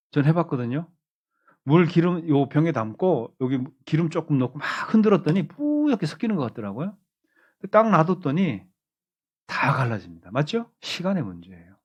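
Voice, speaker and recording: Conversational Korean pastor preaching, lo-fi. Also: male voice, medium pitch. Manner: conversational preaching, rhetorical questions to the congregation. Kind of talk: sermon. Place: church hall.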